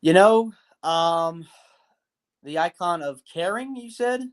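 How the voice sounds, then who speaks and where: A man's voice: high voice, expressive, slow. Earnest man rambling with fillers. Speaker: podcast guest. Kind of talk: casual interview talk.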